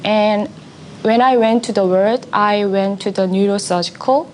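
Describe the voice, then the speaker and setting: A young woman with a Korean accent, a nursing student speaking English as a second language, telling about her first hospital placement in halting sentences with many pauses for words. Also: medium pitch, slight background noise. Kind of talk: personal account for a university video.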